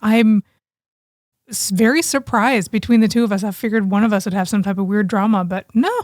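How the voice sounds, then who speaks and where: A woman co-hosting a podcast, chatting and telling personal stories in an informal, expressive way. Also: medium pitch, a little fast, dry recording, studio quality. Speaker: podcast co-host. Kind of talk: casual chat, personal storytelling.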